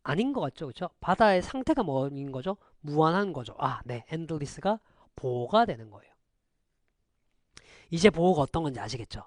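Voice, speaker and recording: A male teacher gives an online lecture in a dry, close-sounding voice. His pitch swings widely as he fires quick rhetorical questions at students. He slides between polite and casual speech. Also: sing-song, no room sound. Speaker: English teacher.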